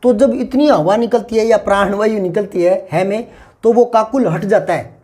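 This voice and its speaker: At a normal speed, with a mellow voice that sits high, an older Rajasthani-accented man teaches Hindi phonetics to a class. He explains as he goes, repeats himself and frequently checks that everyone understands.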